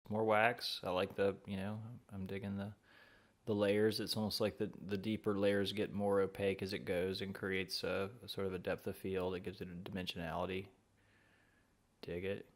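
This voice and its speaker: A man with a Southern US accent and a folksy old-gentleman drawl, making wry, casual commentary over an art video. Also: deep voice, level tone, normal speed. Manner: wry, joking.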